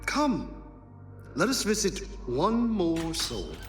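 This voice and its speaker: An actor playing a solemn, commanding, fading ghostly spirit in an audio drama. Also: male voice, high voice, huge pitch swings, slow pace, reverberant, music in the background, exaggerated voice. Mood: grave. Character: solemn, fading Christmas spirit near end of life.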